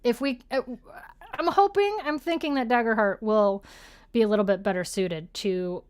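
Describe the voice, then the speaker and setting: A woman's voice: a little high, normal speed, clean tone. A woman co-hosting a podcast livestream, chatting casually about her show. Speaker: podcast co-host.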